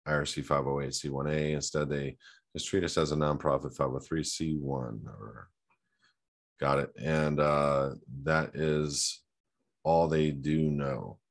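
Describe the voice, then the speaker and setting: A man hosting a show, reading out a viewer's question and then answering it in loose, casual talk with many fillers. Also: extremely low pitch.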